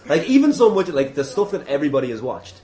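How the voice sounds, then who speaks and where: A man's voice: a little high, very animated, fast talker, dark tone. An Irish man hosting a podcast as a casual interviewer, teasing, irreverent and prone to swearing. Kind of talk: casual, jokey podcast chat. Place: inside a busy gym.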